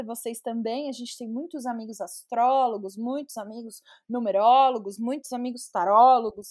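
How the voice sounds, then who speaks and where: A woman speaks at a moderate pace. Her voice is high in pitch. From Brazil, São Paulo. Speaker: actress and meme creator. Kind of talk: interview.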